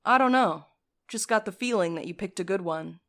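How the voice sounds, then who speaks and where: A woman voicing a composed, wry courier in an audio drama, calmly taking charge and teasing the others. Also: mid-range voice, fairly quick, a little hiss or hum, close to an everyday voice. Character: dry, scheming woman courier, coolly in charge. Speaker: night courier Val.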